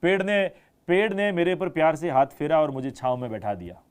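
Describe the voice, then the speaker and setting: A man's voice: a little high, fairly quick, clean tone. A man with an Indian English accent teaching a live online English class, mixing Hindi and English, asking students questions and imitating sounds for his examples.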